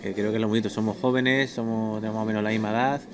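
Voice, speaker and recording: A man's voice: on the low side, steady tone, rapid-fire. A man in his thirties, the restaurant's host, talking enthusiastically into a handheld mic in a dining room. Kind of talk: casual interview. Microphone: handheld interviewer mic. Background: diners' chatter.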